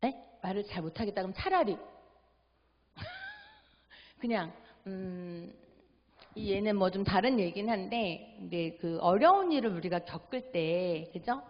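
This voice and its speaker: A middle-aged woman giving a church family seminar talk. She acts out family dialogue in a lively way and keeps asking the audience to agree. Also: mid-range voice, brisk, hardly any pauses. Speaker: seminar lecturer. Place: church hall. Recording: echoey hall, dull audio.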